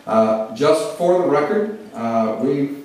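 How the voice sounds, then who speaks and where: A middle-aged man from Oklahoma, giving a measured public speech as a government speaker on oil and gas, often pausing on "uh". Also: medium pitch, lively intonation, a little mellow. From Oklahoma, USA. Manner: measured, many "uh" fillers. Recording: roomy hall, distant mic.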